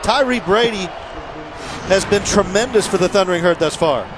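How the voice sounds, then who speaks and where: Crowd noise fills the background as a man in a broadcast booth delivers live play-by-play commentary on an American football game. He's the announcer, and he speaks at a quick pace in a high-pitched voice.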